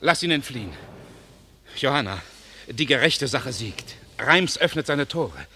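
A man's voice: medium pitch, animated, a little slow, sharp tone, a little hiss or hum. An actor playing a loyal French knight in a classic radio drama, declaiming his lines. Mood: triumphant. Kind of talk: classic German stage-style radio drama acting.

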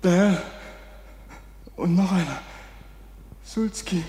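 A terrified servant lad in a radio play. His high voice comes slowly, wrapped in long cavernous reverb. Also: dark tone. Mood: horrified. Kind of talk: German radio play acting. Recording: long echo, as in a cellar.

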